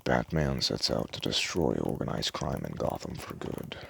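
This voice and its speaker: A soft-spoken man doing a casual ASMR roleplay as a store clerk, chatting in a hesitant, rambling way. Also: a bass voice, very animated, normal speed, creaky, slightly rough.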